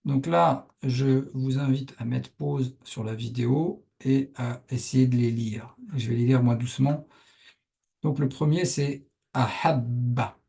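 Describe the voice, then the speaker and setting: A man's voice: mid-range voice, fairly even intonation, a little slow, vocal fry, dark tone, husky. A male Arabic teacher patiently explaining a lesson step by step over on-screen writing, with frequent verbal check-ins to his students.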